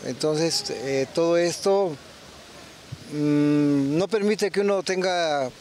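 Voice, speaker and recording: A man's voice: on the high side, slow, darkish tone, a little hiss or hum. Older Mexican man, hesitant street answer. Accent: Mexican Spanish. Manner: thoughtful, hesitant, with many fillers. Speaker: interviewee on the street. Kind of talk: casual street interview. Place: outdoor town square. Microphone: handheld reporter mic.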